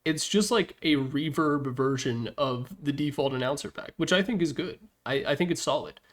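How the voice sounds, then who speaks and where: Higher-pitched man giving casual opinionated commentary. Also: moderate pace. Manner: informal, mildly profane, wry asides. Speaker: presenter of a tier list slideshow video.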